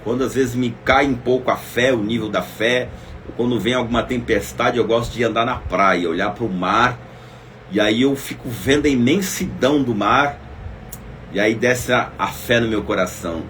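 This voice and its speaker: A man preaching a devotional Bible lesson, swinging between loud exclamations and soft asides as he speaks straight to his listeners. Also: medium pitch, slight background noise. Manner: speaks directly to listeners as "minha irmã".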